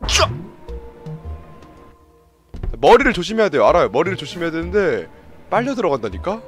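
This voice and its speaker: A man giving loud, yelping gameplay commentary as a game streamer, shouting quick repeated commands and laughing often. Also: sits high, wildly swooping pitch, over music.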